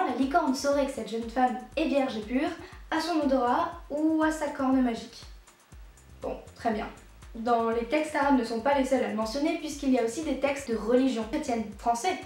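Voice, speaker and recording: A woman's voice: high-pitched, darkish tone. A young woman explaining a history topic in a casual, playful way, with joking asides. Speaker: YouTube creator. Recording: very echoey room.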